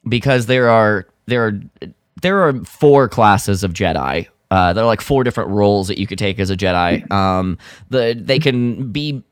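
A man's voice: fairly low pitch, moderate pace, clean tone, dry recording, studio quality. A man co-hosting a podcast, talking in casual fan chat. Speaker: podcast co-host.

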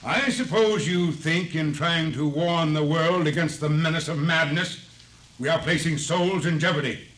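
An actor playing a formal, stern observatory director in a 1950s radio drama, emphatic and urgent. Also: male voice, a little high, moderate pace, a bit bright, close to an everyday voice, low-quality recording. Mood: stern, weary.

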